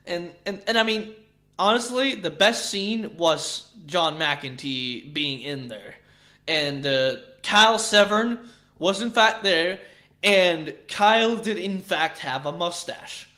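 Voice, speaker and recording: A man's voice: high voice, lively intonation, slow, sharp tone. A man with a Swedish accent chatting casually with viewers on a livestream, rambling and swearing, with frequent restarts. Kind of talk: casual chat.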